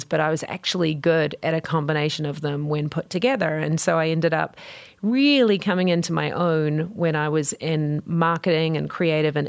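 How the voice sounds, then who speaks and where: An energetic middle-aged woman with a New Zealand accent talks through her career in a candid, casual way. Her voice sits low for a woman. The sound is dry and close, with no room around it. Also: creaky, clean tone, no echo. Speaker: guest, company CEO. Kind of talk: casual storytelling.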